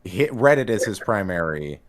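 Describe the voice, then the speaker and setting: A man in casual podcast chat, talking in an animated, rambling way with many restarts. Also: fairly low pitch, moderate pace. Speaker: podcast guest.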